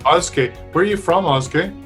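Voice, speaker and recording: A calm man hosting a call-in show. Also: a little high, a little slow, soft background music. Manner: calm, talks about curses and spiritual healing with conviction. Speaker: host. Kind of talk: live call-in show chat.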